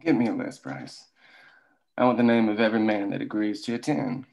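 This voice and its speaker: A man's voice: fairly low pitch, fairly even intonation, a little fast, vocal fry, a little mellow. A man reading the part of a cold, curt boss giving orders in a drama table read. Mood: stern. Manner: curt, commanding. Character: cold, commanding company boss questioning an informant.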